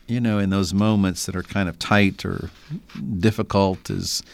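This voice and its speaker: A man's voice: deep voice, level tone, moderate pace, gravelly. An older man, a Catholic bishop, reading scripture and reflecting on faith in conversation. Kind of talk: Gospel reading and reflective talk.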